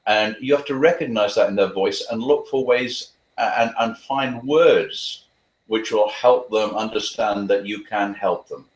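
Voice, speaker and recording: A man giving earnest advice as a dog trainer in an interview, talking quickly with frequent restarts. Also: lowish voice, roomy sound.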